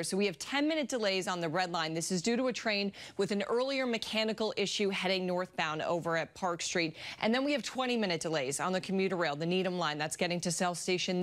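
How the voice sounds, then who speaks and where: A woman's voice: on the low side, lively intonation, fast, few pauses. A woman with an American accent giving a conversational broadcast traffic report.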